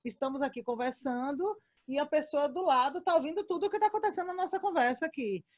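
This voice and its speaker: A woman specialist explaining room acoustics in a calm, patient way. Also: sits high, fast talker, highs cut off. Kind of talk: explanatory casual chat.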